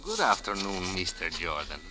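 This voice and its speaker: A courtly Arab villain from an old radio thriller, low and sharp-edged. He speaks formally, with polite menace and lively swings in pitch. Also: normal speed, soft background music, full character voice, poor audio. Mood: politely menacing. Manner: courtly, formal, veiled threats. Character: tall, smoothly menacing Arab henchman, politely threatening. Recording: old radio with faint hiss.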